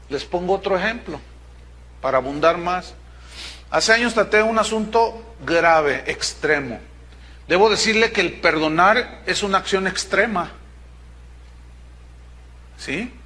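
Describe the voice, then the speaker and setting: A middle-aged man, preaching a sermon as pastor, emphatic with dramatic pauses and acting out the people he quotes. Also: high-pitched, bright, forceful tone, husky. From Mexico.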